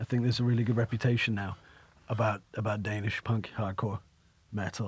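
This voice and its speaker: A man speaks at a fairly slow pace in a dark, mellow tone with fairly even intonation. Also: very clean recording, silent background. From southwest England (Bristol). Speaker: metal band drummer. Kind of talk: casual interview.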